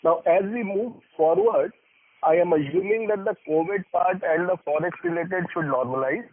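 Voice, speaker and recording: A man's voice: high-pitched, normal speed. A man with an Indian accent asking questions as an analyst on an earnings call, polite, wordy and hesitant. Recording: garbled, tinny phone line.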